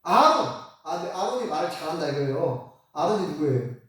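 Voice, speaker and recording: Animated male pastor in an echoey church. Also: fairly high pitch, quick pace. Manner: animated storytelling. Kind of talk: sermon. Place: church sanctuary. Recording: echoey church hall, mic at a distance.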